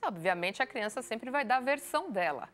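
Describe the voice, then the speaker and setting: A woman teacher talking on a studio show, with a voice a little higher than most. She tells classroom stories with animated energy and slips into the voices of children and parents. Faint music runs underneath. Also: brisk. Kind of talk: studio talk show conversation.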